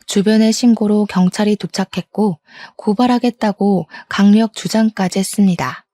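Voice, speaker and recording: A woman in her thirties retells a story in an indignant, conversational way. Her voice is warm and mellow, and the recording is dry and close, at an even middle pitch. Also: normal speed, dry recording. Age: 30s. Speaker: narrator. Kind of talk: storytelling narration.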